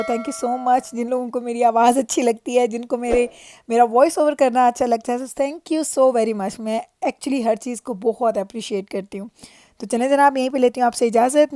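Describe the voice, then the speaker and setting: A woman's voice: a little high, darkish tone, dry recording, clean studio sound. A middle-aged woman with a Pakistani accent gives a chatty, reflective vlog voice-over, mixing in English phrases. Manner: conversational, mixes in English phrases. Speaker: family lifestyle vlogger.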